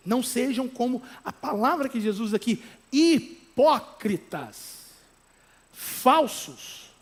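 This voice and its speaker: A Brazilian pastor preaches in a notably high voice, moving between chatty asides and emphatic, loud exhortation. He checks in with the congregation through quick tag questions. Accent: Brazilian Portuguese. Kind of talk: sermon.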